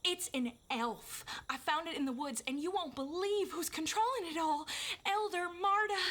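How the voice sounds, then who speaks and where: A woman's voice: very high voice, normal speed, a bit bright. An actress playing a spirited, stubborn young village girl in an audio drama, plain-spoken, with rustic turns of phrase. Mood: urgent.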